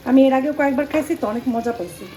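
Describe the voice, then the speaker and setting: Bangladeshi woman, 30s, home vlogger, slightly high voice, chatty running talk in the kitchen, faint ambience behind. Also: very fast, dark tone, a little hiss or hum, rough recording. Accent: Bangladeshi Bengali. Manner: chatty, talks to camera and family while doing chores. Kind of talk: casual chatty cooking narration.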